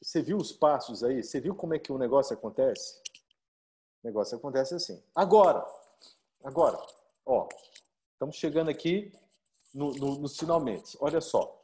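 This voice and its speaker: Animated Brazilian man, medium-pitched. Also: normal speed, long pauses. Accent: Brazilian Portuguese. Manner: animated, acts out little dialogues and asks rhetorical questions. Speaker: marriage therapist. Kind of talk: live-stream talk on marriage.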